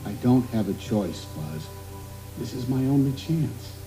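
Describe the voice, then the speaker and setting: A man playing an earnest, excitable cowboy sheriff toy in an animated film, with an American accent and a pleading, emphatic delivery. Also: mid-range voice, measured pace, echoey room, over music, close to an everyday voice, rough recording. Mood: defensive, downcast.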